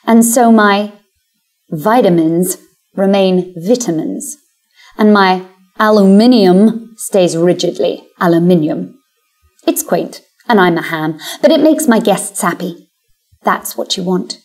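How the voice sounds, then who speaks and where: A woman's voice: fairly low pitch, slow, a little mellow. Woman, British accent, first-person story narration, wry, confident, self-mocking. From Britain. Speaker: audiobook narrator.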